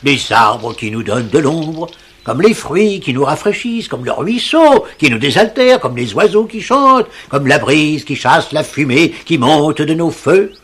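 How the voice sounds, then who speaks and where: Wise old tribal elder. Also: male voice, a little high, a little slow, husky, heavily acted. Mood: gentle. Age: older. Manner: calm, gently lecturing. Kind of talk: French cartoon dub.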